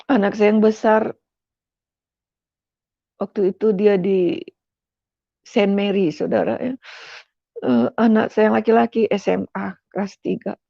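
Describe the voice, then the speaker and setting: A woman's voice: mid-range voice, steady tone, a little slow, creaky, long pauses, warm tone, no room sound. A middle-aged woman from West Sumatra tells her personal faith testimony with emotion, often addressing her listeners as "Saudara". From West Sumatra, Indonesia. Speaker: testimony speaker. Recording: dull, dry lo-fi sound.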